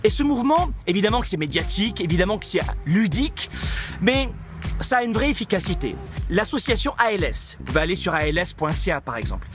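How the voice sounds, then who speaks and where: High-pitched, very animated man over music. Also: quick pace. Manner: emphatic, rhetorical questions, repeats key phrases. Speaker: coach and company founder. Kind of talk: motivational talk to camera. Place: outdoors in a park. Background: background music.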